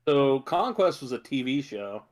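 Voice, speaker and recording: A man's voice: medium pitch, very animated, measured pace, a little mellow. A man co-hosting a podcast, chatting casually about films and shows, thinking aloud as he goes. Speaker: podcast co-host.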